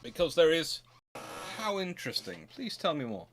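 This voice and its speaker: A man's voice: on the high side, wildly swooping pitch, normal speed, a little hiss or hum. A man hosting an informal history question-and-answer livestream, talking in a discursive, rambling way and often restarting his sentences. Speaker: host, naval historian.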